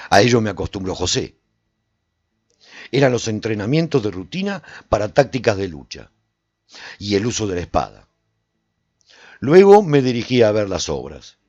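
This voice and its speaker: A reflective survivor telling his story in a radio drama. His measured, dramatic delivery moves through a lively range of pitch. The sound is very dry and a little muffled, like a close lo-fi studio recording. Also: no echo. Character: reflective male survivor recounting life in a post-apocalyptic walled city. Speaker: narrator and actor in a radio serial. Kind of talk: first-person dramatic scripted narration.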